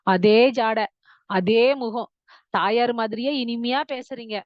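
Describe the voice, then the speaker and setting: A woman's voice: a little high, slow, no room sound, dull audio. A woman voicing a poor old male carpenter who pleads through tears. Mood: pleading.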